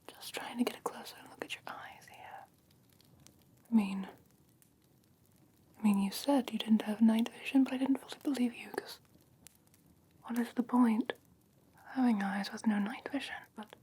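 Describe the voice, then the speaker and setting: A woman voicing an ancient, haughty yet curious fae in a soft breathy whisper for an ASMR fantasy roleplay, halting and matter-of-fact. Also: on the high side, natural voice. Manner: unhurried, matter-of-fact, faintly condescending, halting. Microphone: close ASMR microphone. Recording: close-miked with clear background ambient noise.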